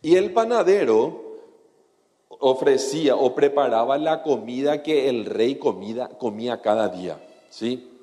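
A man's voice: mid-range voice, lively intonation, measured pace, dark tone. Man, preaching, conversational, checks in with listeners, reverberant hall. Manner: conversational, keeps checking in with the audience. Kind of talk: sermon.

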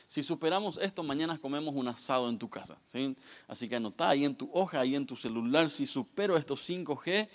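A man in his thirties, a guest pastor, giving a lively, joking youth sermon straight to the audience. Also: mid-range voice. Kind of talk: youth sermon with humorous stories.

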